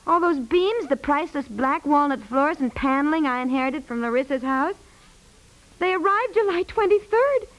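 A woman's voice: high-pitched, expressive, normal speed, low-quality recording. A woman playing an exasperated, wry housewife and new mother in a 1950s radio comedy, scolding with emphatic delivery. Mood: indignant, exasperated. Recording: slightly aged 1950s radio recording.

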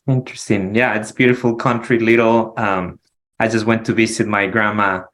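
A man from Ecuador, a company founder who is a guest on a podcast and explains his story in a relaxed way with soft chuckles. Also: on the low side, moderate pace. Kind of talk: casual podcast interview.

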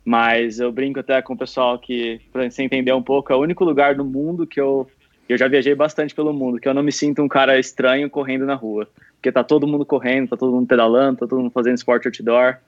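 A man's voice: medium pitch, flat delivery, fast. A young man with a Brazilian Portuguese accent, chatting casually as a podcast guest from home. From Piracicaba, São Paulo state, Brazil. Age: young adult. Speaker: podcast guest, professional triathlete. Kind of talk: casual interview chat. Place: at home, recorded remotely. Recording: slightly dull, lo-fi remote recording.

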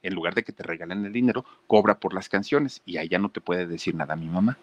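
A man voicing a kind older sister who gently coaxes her little brother. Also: deep voice, fast talker, dry recording, natural voice. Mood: coaxing. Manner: coaxing, gently persuasive. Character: kind older sister, young woman, reasonable.

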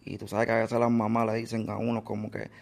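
A man recalls a painful family loss as an interview guest, halting and full of fillers. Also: lowish voice, completely flat delivery, creaky. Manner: halting, many fillers and restarts. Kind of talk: emotional personal recollection.

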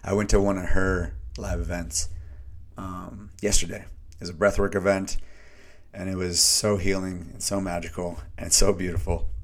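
A man hosting a solo podcast, talking earnestly and a little hoarsely, often restarting his sentences. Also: deep voice, little pitch movement, normal speed. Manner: earnest, searching, with many restarts and fillers. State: slightly hoarse. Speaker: podcast host. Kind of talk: reflective solo podcast monologue.

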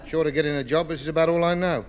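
An actor playing a cheeky, coaxing rag-and-bone dealer in a 1950s radio sitcom. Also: male voice, on the high side, steady tone, rapid-fire, a little hiss or hum, lightly acted. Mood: wheedling.

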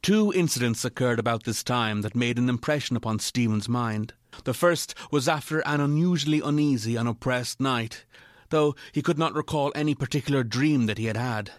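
A man narrating a literary ghost story in a measured, formal way. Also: mid-range voice, dry recording, clean studio sound, close to an everyday voice.

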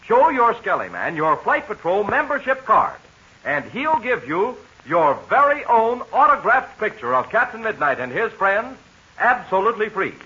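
Animated American male radio announcer. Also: sits high, moderate pace. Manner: emphatic, chummy salesman's delivery. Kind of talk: 1940s radio announcing, scripted. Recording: dull 1940s radio recording.

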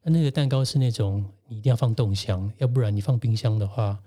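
A man, a podcast guest and co-host gently telling a personal story in casual conversation. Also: lowish voice, fast talker. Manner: reflective, gentle, recounts childhood memories.

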